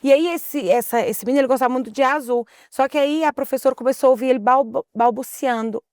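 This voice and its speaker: High-voiced woman storyteller. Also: quick pace, no echo, clean studio sound. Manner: animated storytelling, quotes others. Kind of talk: casual chat.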